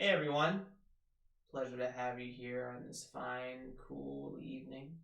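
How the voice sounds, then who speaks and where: Using a put-on character voice with a relaxed tone, a man talks at a fairly slow pace and medium pitch, with a slight echo. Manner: smooth, relaxed.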